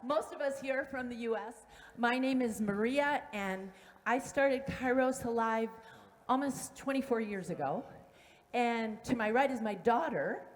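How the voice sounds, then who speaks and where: A middle-aged woman addresses a conference audience in an energetic, inviting way. Her voice sits fairly high. Long reverb from a large hall follows each phrase. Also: measured pace. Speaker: dance company founder. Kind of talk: stage talk to an audience.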